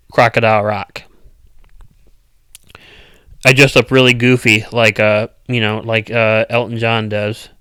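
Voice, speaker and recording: A man chatting casually with viewers on a stream, with a loud, strong voice and an uneven, rambling cadence full of restarts. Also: mid-range voice, smooth, no room sound. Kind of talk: casual live chat.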